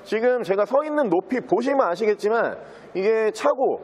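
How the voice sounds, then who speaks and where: High-pitched man with smooth car salesman patter. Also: animated, moderate pace, a little mellow. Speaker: used car dealer presenting a car. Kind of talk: sales walkaround commentary.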